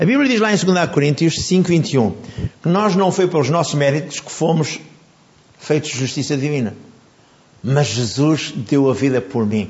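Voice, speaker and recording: Amid noticeable background noise and audible room echo, a man speaks fairly slowly in a fairly high voice, with lively intonation and long, frequent pauses. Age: 70s. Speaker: pastor. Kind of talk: sermon.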